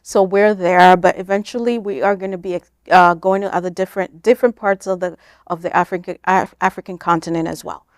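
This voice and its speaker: A woman from Kenya speaks as an interview guest, on the lower side in pitch. She explains things informally, peppering her sentences with "like" and "you know". The sound is dry, with very little room in it. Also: steady tone, brisk, hardly any pauses, no echo. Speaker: interview guest, nonprofit founder. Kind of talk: conversational interview answers.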